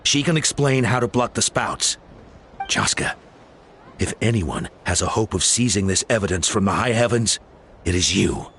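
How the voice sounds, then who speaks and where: A man playing an earnest, encouraging tribal elder in a fantasy video game, speaking deliberately. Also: lowish voice, animated, fairly bright tone, a little hiss or hum. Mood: solemn. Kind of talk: video game character dialogue.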